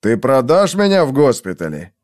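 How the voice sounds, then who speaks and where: A man voicing a sullen, menacing scarred brute who growls slowly. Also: medium pitch, wildly swooping pitch, a little mellow. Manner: growling, slow and threatening.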